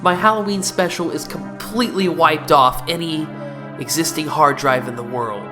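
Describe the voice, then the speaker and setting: A man's voice: fairly high pitch, moderate pace, over music. A man giving casual, informal video game commentary as a review host, mildly sweary.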